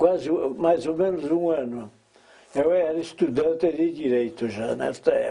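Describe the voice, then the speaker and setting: A man with a dark, mellow tone and a high pitch talks at a fairly slow pace. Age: 90s. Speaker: retired sports broadcaster and journalist. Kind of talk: interview.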